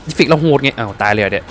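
Excitable man commenting on a game. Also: lowish voice, slight background noise. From Thailand. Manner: excitable, exclaims and swears at the game. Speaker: gaming streamer. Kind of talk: casual let's-play commentary.

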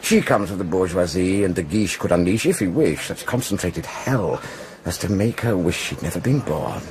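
An actor playing a worldly, wry drinker who gossips knowingly in a period radio drama. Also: male voice, low voice, animated, moderate pace, background noise. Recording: crowd murmur behind.

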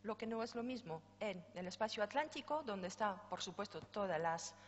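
A woman's voice: mid-range voice, lively intonation, moderate pace. A middle-aged woman from France with a French accent, head of a programme office, giving an informal, explanatory conference talk with fillers and self-corrections. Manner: explanatory, informal asides with light laughter and fillers. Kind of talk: conference presentation. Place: conference stage. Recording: dull sound with long hall reverb, faint hum.

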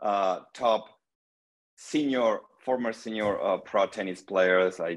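A middle-aged Argentine man, a senior pro pickleball player, is the guest on a casual video call interview from a small room at home, picked up by his laptop webcam. His voice is on the low side. He tells stories in a relaxed way, pausing often, saying "um" a lot, and gesturing with his hands.

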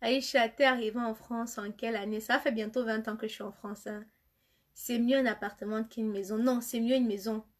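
Cameroonian woman streamer, somewhat high voice, chatty and teasing. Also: fairly even intonation, moderate pace. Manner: chatty, reads comments aloud, teasing and emphatic. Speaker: live streamer answering viewer comments. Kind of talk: casual live chat.

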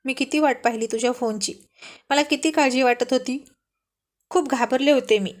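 An anxious young woman in love from a storybook, voiced by a woman narrator. She rushes out her words in one breath, a touch high. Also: fairly even intonation, natural voice. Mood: upset. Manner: rushed, emotional.

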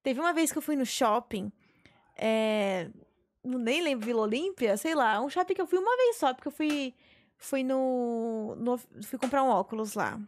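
A woman's voice: high-pitched, expressive, moderate pace. A young woman streaming a life-sim game, chatting casually with viewers and telling stories, swearing now and then. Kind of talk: casual gameplay chat with viewers. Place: small bedroom streaming setup, indoors. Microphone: headset mic on webcam stream.

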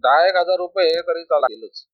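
A man's voice: on the high side, moderate pace, dry recording, lightly acted. A man voicing a worried, tearful older mother who complains and pleads, in a storybook reading on a dull lo-fi recording.

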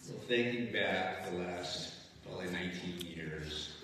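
Slow, folksy man in a chapel. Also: sits low, very noisy. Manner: halting, folksy, with chuckles. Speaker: longtime congregation member. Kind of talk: reminiscing testimony. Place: large chapel with hard walls. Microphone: stand mic, heard from a distant camera. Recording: echoey chapel, voice far from mic.

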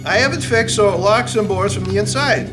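A man's voice: high-pitched, brisk, close to an everyday voice. A man playing an irritable, stubborn, fearful family man, argumentative and insistent, in a radio play. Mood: stubborn, irritated. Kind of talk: stage radio-play acting. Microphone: stand microphone on a stage. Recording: music under stage performance.

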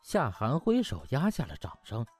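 A man tells a comic story as an audiobook narrator. His mid-pitched voice swings widely in lively, dramatic storytelling, with music behind it. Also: moderate pace, slightly rough.

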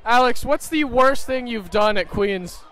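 A man's voice: extremely high pitch, unhurried, fairly bright tone, poor audio. A young man doing casual street interviews as the one asking the questions. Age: young adult. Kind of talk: casual vox-pop interviewing. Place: outdoors at a crowded street party. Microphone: handheld microphone.

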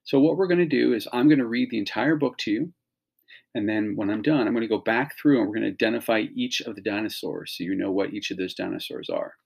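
A man's voice: on the low side, quick pace, gravelly, husky. A middle-aged man giving an instructional read-along for children, explaining and pointing things out in simple phrases. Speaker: teacher reading a picture book aloud to children.

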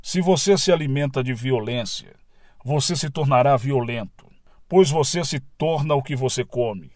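A man with a Brazilian accent reading a spiritual lecture as scripted narration, in a measured, didactic way. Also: mid-range voice, a little mellow, no room sound, clean studio sound.

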